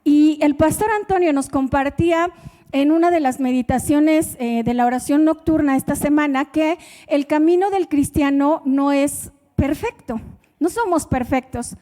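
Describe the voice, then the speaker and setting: A woman's voice: high-pitched, moderate pace, mellow. A Mexican woman preaching a sermon in a church, in a conversational way that keeps asking the congregation questions. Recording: church hall with long reverb.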